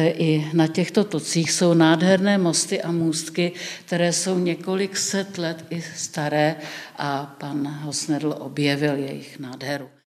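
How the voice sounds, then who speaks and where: A woman speaks very slowly in a fairly low pitch with fairly even intonation, with audible room echo and noticeable background noise around her. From South Bohemia, Milevsko. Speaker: retired archivist and museum volunteer. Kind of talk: casual interview and museum guided tour. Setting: town museum in old town hall.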